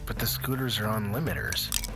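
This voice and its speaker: A man's voice: lowish voice, steady tone, moderate pace, close to an everyday voice. A man playing an anxious, hot-headed young extreme-sports racer in an audio drama. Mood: frustrated. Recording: music behind the voice.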